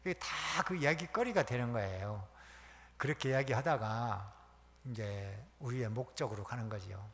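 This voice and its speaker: A man's voice: mid-range voice, normal speed, a bit bright. A pastor, a man, giving a conversational training lecture to Sunday school teachers, plain-spoken with hesitant fillers between phrases and acting out everyday small talk. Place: church hall. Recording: long hall reverb, faint hum.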